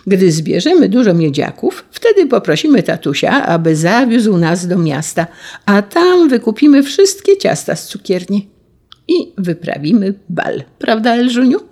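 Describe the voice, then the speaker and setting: A woman's voice: medium pitch, big pitch swings, a little slow, mellow, pitched above the performer's own voice. A woman voicing a boastful young boy keen on machines in a read-aloud storybook. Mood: excited.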